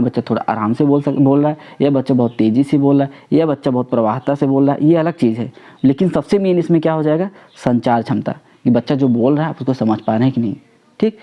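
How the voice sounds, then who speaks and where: A man's voice: mid-range voice, highs cut off. A young man teaching an exam-prep lecture, asking questions and answering them himself, with English words mixed into his talk.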